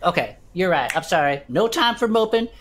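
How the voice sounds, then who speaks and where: A woman's voice: fairly low pitch, very animated, a little fast, a little hiss or hum. A woman voicing an easygoing male adventurer with slangy, laid-back talk, in an audio drama.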